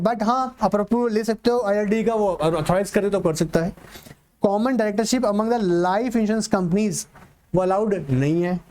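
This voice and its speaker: A male teacher with an Indian accent and a fairly high voice gives an online exam-prep lecture. He drawls through English lines word by word, then switches to quick, chatty Hindi explanations, speaking straight to his students and repeating each point. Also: darkish tone. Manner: mixes Hindi and English, reads slowly and explains fast.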